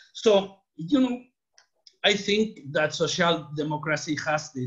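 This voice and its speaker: Over a quiet background, a man with a fairly high pitch speaks at a fairly slow pace with ordinary pitch variation. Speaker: political analyst. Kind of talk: panel discussion. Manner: halting. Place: home room. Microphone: video call.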